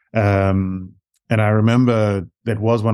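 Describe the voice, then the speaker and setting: A man with a South African accent speaks in a fairly low voice with ordinary pitch variation. The recording is very clean, the background silent. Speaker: chief operating officer. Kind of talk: conversational interview.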